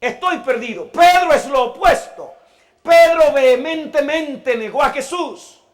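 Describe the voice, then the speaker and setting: A pastor preaching a sermon in a church, swinging from loud emphatic lines to hushed low ones and asking the congregation rhetorical questions. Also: male voice, unhurried.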